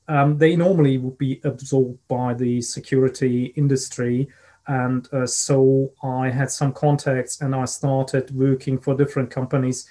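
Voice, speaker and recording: A man with a German accent speaks as a consultant guest in an interview. His voice is soft-edged and mellow, and his delivery is measured, with halting phrases. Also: mid-range voice. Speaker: guest, risk and crisis management consultant. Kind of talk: podcast interview answers.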